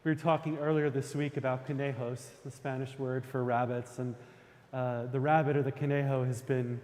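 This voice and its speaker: A man's voice: mid-range voice, little pitch movement, normal speed, a little mellow. A male minister from New Jersey preaching a sermon, conversational and easygoing, with fillers and restarts as he tells a story. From New Jersey, USA. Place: church sanctuary. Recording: long church reverb.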